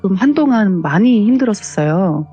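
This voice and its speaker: A woman's voice: medium pitch, expressive, a little fast, warm tone, husky. A woman politely telling her own ghost story in a conversational, explanatory way. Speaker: caller telling a personal story. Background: background music.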